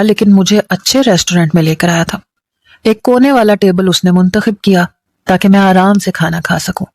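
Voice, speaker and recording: A woman reading a first-person story aloud in an even, plain storytelling tone. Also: medium pitch, no room sound.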